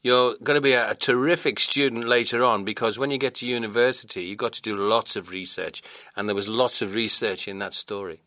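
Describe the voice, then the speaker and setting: A male radio host who gushes with praise and doubles up his words for emphasis. His voice is bright and forceful, recorded close and dry with no room sound. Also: medium pitch, steady tone, a little fast, no room sound. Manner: effusive, repeats words of praise. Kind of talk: on-air interview.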